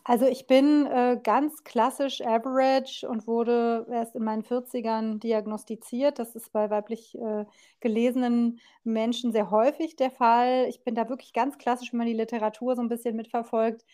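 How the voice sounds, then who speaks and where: A woman in her forties from Berlin chats openly as a podcast guest, her voice sitting a little high. She talks loosely and candidly, full of fillers and casual asides. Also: little pitch movement, normal speed, warm tone. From Berlin, Germany. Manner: chatty and candid, loose and colloquial with frequent fillers. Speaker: guest, occupational therapist.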